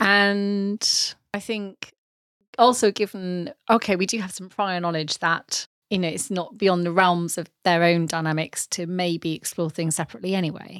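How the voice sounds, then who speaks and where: In a British accent, a woman speaks at medium pitch and a moderate pace, with a dry, close sound and no echo. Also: ordinary pitch variation. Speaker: podcast co-host. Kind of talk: casual chat.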